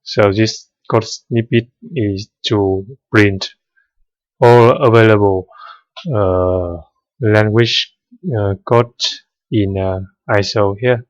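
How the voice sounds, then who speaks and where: A man whose first language is Vietnamese walks through code in a tutorial, pausing often and filling gaps with hesitant sounds. His voice sits fairly low and he speaks slowly. The recording is dry and a bit dull. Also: fairly even intonation, dry recording. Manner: hesitant, many "uh" fillers, unhurried. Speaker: programming tutor. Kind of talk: screen-recorded coding tutorial.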